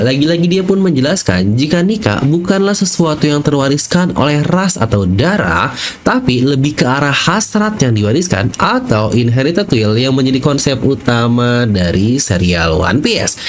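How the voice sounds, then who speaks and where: A man's voice: medium pitch, a little hiss or hum. An Indonesian man hosting an explainer in a casual, emphatic style, using rhetorical questions and colloquial phrasing. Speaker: YouTube host. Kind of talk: casual explainer narration of anime theories.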